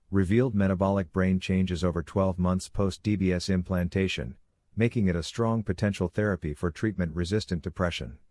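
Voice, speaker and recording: A man's voice: sits low, darkish tone, no echo, studio quality. A man reading scripted exam practice passages aloud as a narrator.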